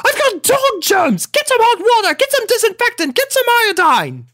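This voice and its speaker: Shrill, prissy lady unicorn, theatrically indignant. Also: wildly swooping pitch, normal speed, fairly bright tone, no echo, studio quality, exaggerated voice. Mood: hysterical disgust. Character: prissy, dramatic lady unicorn pony, scolding and fussy. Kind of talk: cartoon fan fiction character voice.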